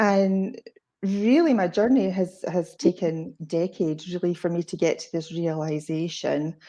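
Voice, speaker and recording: Against a quiet background, a woman with a Scottish accent speaks fairly slowly in a fairly low, dark and mellow voice with ordinary pitch variation. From Scotland, Edinburgh. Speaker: interview guest. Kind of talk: interview, personal story.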